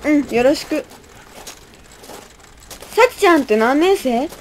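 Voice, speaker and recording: Young woman playing high-voiced, stressed schoolgirl. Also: expressive, slow pace, a little hiss or hum. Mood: friendly, hesitant. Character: earnest, stressed high-school senior girl. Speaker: student radio drama actor. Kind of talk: amateur radio drama acting.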